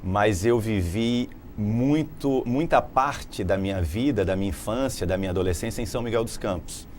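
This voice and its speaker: A man's voice: fairly low pitch, normal speed, darkish tone, slight background noise. A man from Brazil in his thirties, a political scientist, explaining his ideas at length as a TV interview guest. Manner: articulate, explanatory, laughs easily.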